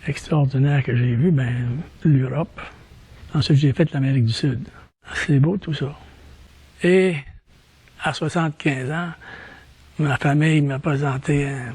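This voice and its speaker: Speaking at a fairly slow pace with long, frequent pauses, a man uses a fairly high pitch and fairly even intonation in a somewhat breathy voice. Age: 80s+. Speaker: heart transplant patient. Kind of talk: interview testimony. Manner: halting, with repetitions and fillers.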